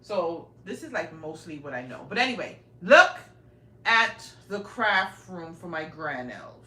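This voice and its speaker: A woman's voice: fairly low pitch, big pitch swings, a little slow, bright, forceful tone. A woman in her forties, raised in Brooklyn, hosting a casual live-stream tour of her home and chatting straight to her viewers on a handheld phone. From raised in Brooklyn, New York. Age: 40s. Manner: chatty, keeps addressing viewers directly. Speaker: livestream host. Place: indoor home, small rooms. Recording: roomy home audio, faint noise.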